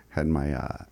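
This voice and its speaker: A man's voice: very deep voice, vocal fry, mellow, no room sound. A man with an Indigenous Canadian reservation accent reading community announcements in an informal way, with the odd stumble.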